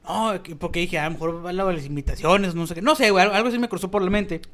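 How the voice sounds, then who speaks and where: A man's voice: high voice, fast talker, a bit bright. A young Mexican man with a Mexican accent, co-hosting a podcast and telling a rambling, slangy story full of swearing. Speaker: podcast co-host. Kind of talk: casual storytelling chat.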